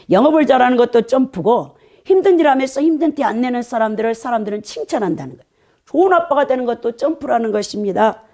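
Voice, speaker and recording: Preaching a sermon in a high-pitched, mellow voice, a woman pastor tells stories with animation and keeps the congregation engaged with quick "eh?" asides.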